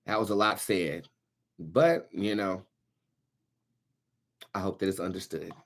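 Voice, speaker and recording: A man's voice: sits low, steady tone, measured pace, vocal fry, a bit bright. A man hosting an online show, giving a blunt, profane, campy motivational monologue with emphatic repetition. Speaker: show host, tarot reader and spiritual coach.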